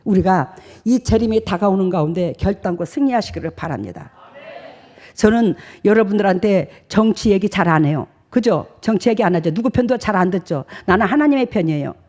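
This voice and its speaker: A woman's voice: medium pitch, lively intonation, fairly quick, a little mellow. A woman pastor, preaching a sermon in a chatty storytelling way. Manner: chatty storytelling, acts out dialogues.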